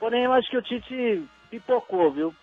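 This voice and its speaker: A man in his forties phones in to a show, his high voice thin and husky down the line. The sound is dull and lo-fi, squeezed through a telephone. He talks in a friendly, opinionated way. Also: lively intonation, normal speed, faint music behind. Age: 40s. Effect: over the phone. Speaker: caller. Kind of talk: casual call-in chat.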